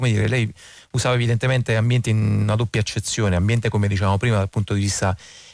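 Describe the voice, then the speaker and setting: A man talks at a very fast pace in a medium pitch with ordinary pitch variation. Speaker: radio host. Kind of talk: radio arts magazine. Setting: studio.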